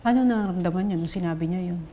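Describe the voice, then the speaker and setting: Woman host, gentle, probing interview questions. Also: fairly low pitch, very fast. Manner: gentle, probing, soft affirming hums. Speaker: talk show host.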